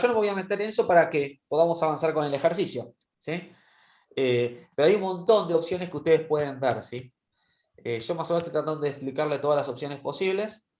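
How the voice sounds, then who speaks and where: A male teacher walking students through a spreadsheet exercise in an online class, patiently checking in with them as he goes. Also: on the high side. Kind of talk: online class screen-share demonstration. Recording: roomy echo.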